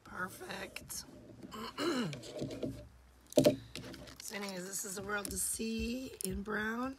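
A woman in her forties runs a live jewelry sale from a home studio, chatty and affectionate even though she has lost her voice. Hoarse and often dropping to a whisper, she speaks at medium pitch and draws out her words, and the recording is very noisy.

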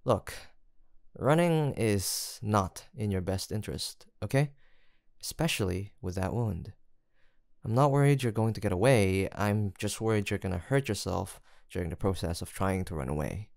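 A man voicing a gentle, protective man who talks softly and teasingly to a frightened stray he has rescued, in a close audio roleplay. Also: lowish voice, lively intonation, normal speed, creaky, no room sound. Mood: reassuring. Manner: soft teasing, coaxing and reassuring.

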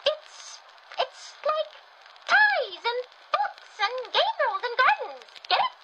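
A woman voicing a bubbly, excitable female puppet who gushes and teases in a cartoon. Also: very high voice, takes it slowly, heavily acted. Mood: bubbly, teasing. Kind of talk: animated cartoon dialogue. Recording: noisy, muffled social media audio.

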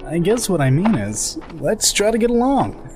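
Over soft background music, a man voices a goofy, rambling older soldier in a game-scene fan dub; the character is easygoing, chatty, joking and laughs easily. His high, sing-song voice runs at normal speed with a darkish tone.

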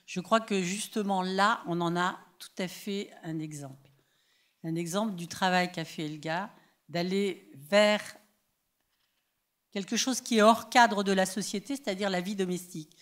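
A woman speaking as a panelist in a discussion, thoughtful, pausing between points. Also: medium pitch.

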